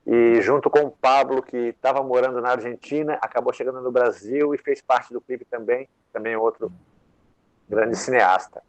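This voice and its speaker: With a steady mid-range voice at a moderate pace, a songwriter speaks as a live panel guest about his work. His casual interview talk rambles and is thick with fillers. The audio is dull with no room sound.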